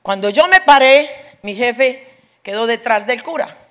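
Woman, middle-aged preacher, funny testimony, high voice, lively storyteller. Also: a little slow. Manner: lively storyteller, acts out voices, laughs often.

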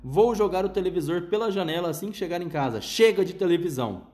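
A man's voice: high voice, lively intonation, quick pace, voice pushed up. A man voicing an exasperated, blustering father in a read-aloud story. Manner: blustering, shouting. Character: gruff exasperated father, middle-aged man.

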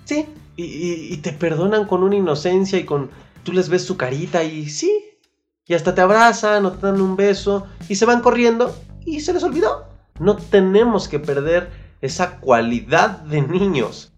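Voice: medium pitch, lively intonation, normal speed, soft background music. A podcast host with a Mexican accent speaks in a motivational monologue, coaching the listener, repeating key phrases and using colloquial slang.

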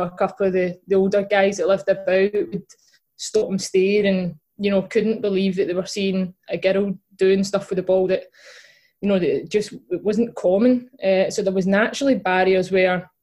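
Speaking with a dark tone at medium pitch, this young Scottish woman has a Glasgow accent. She's a footballer and podcast co-host appearing as an interview guest, talking loosely with plenty of fillers and false starts.

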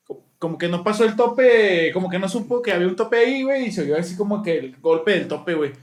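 A man's voice: high voice, expressive, fast talker, echoey room. A man with a Mexican accent, co-hosting a podcast and telling a rambling story in slangy casual chat, acting out what people said. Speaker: podcast co-host.

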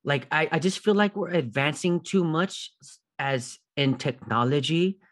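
Middle-aged man, fairly high voice, animated podcast co-host talking casually. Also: a little slow. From Filipino heritage. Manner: animated, rises in pitch when making a point. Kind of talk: casual chat.

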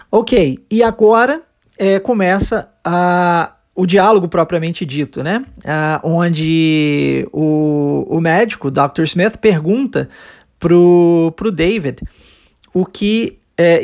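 Brazilian Portuguese accent, podcast language teacher, patient, step-by-step explanations, frequent check-in tags, mid-pitched voice. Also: a little mellow. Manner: checks in often with short tags. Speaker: English teacher.

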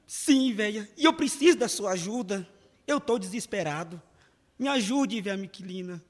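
A man's voice: high voice, animated, normal speed. A man playing an earnest, lovesick cowboy in a Brazilian radio play, speaking in a dramatic, pleading way. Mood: desperate pleading. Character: earnest lovesick cowboy searching for his beloved. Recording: music behind, long reverb.

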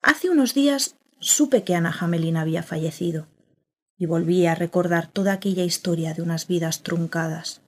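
A woman narrating a radio drama in the first person as a journalist, in a reflective, quietly bitter way. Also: on the low side, normal speed, natural voice.

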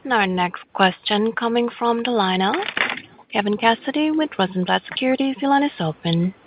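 A woman with a somewhat high voice makes scripted announcements as a conference call operator. The call audio is slightly dull, with faint noise. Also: a little fast. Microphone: conference call line.

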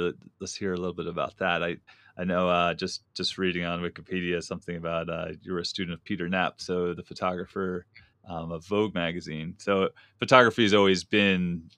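A man hosting an interview podcast, asking questions in a halting way with many fillers and restarts. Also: low-pitched, a bit bright, no room sound. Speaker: podcast host. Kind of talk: casual interview.

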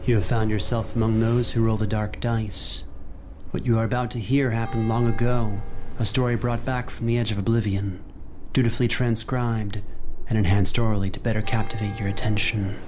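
A man's voice: on the low side, flat delivery, moderate pace, background noise. A man working as game master, narrating horror fantasy in an ornate, theatrical scripted style over music.

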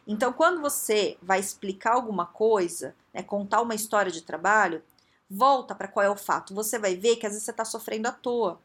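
A woman with a Brazilian accent, a coach giving casual advice in an animated way, laughing often and acting out quotes. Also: medium pitch, brisk. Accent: Brazilian Portuguese.

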